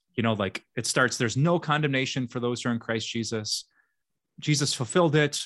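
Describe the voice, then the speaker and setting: In a plain, everyday voice, a man with a medium pitch speaks fairly quickly and fairly evenly, recorded dry and close with no echo against a quiet background. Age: 40s. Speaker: pastor and podcast host. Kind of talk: casual chat.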